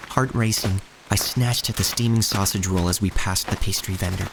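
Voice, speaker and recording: A man playing a solemn narrator who tells of a poor street childhood in measured, scripted audio drama storytelling. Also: deep voice, steady tone, background noise. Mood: somber, measured. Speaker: first-person narrator. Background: music.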